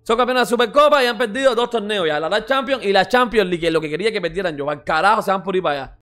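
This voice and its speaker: A man's voice: high voice, very fast, a bit bright, soft background music. A man giving casual mocking football reaction commentary as a streamer, repeating exclamations, swearing and ranting.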